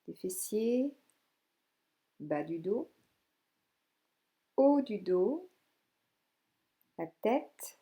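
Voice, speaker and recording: Slow, mellow woman guiding relaxation. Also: medium pitch, lively intonation. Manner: soothing, gentle, unhurried instructions with pauses. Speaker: yoga nidra instructor. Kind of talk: guided relaxation meditation.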